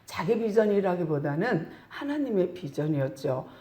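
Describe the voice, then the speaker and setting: Lively woman pastor preaching, echoey room. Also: fairly low pitch, moderate pace. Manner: animated storytelling, acts out quotes. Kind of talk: sermon.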